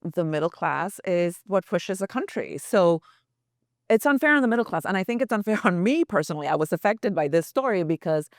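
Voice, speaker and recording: A woman's voice: on the low side, expressive, fairly quick, no echo, clean studio sound. A woman journalist as a podcast guest, talking earnestly and thinking aloud with restarts. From United States. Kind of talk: reflective podcast interview.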